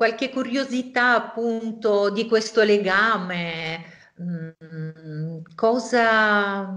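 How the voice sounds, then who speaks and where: A woman with a Russian accent speaks very slowly in a bright, sharp tone at a medium pitch, her pitch varying in an ordinary way over a quiet background. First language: Russian (speaking Italian). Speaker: cultural association president; interviewer. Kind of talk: interview. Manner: halting. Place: home room. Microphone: video call.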